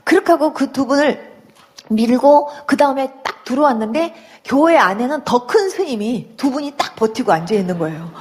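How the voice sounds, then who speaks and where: A woman's voice: on the high side, darkish tone. A middle-aged woman giving a personal Christian conversion testimony, telling her story vividly and with sound words.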